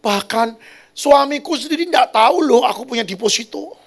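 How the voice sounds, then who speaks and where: A man's voice: very high-pitched, lively intonation, normal speed, gravelly, pitched above the performer's own voice, exaggerated voice. A man voicing a tearful, anxious woman who questions a pastor in a pleading, plaintive way. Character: tearful anxious middle-aged woman churchgoer. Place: church hall.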